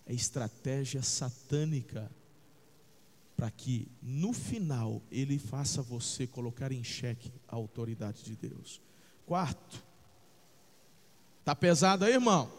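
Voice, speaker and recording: A man pastor preaching a sermon, swinging between shouts and low, intense passages, calling the listeners "brother" and checking that they follow. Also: big-room sound.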